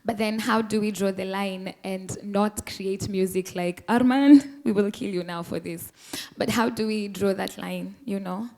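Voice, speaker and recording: A woman's voice: mid-range voice, steady tone, a little slow, creaky, hardly any pauses, darkish tone. A woman speaking as a musician on a panel, earnest and impassioned. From Kenya. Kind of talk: panel discussion remarks.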